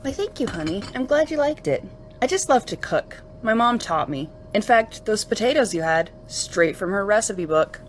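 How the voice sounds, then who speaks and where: A woman's voice: mid-range voice, lively intonation, moderate pace, slight background noise, natural voice. A woman playing a cheerful, chatty, affectionate young girlfriend in an amateur audio drama. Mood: pleased.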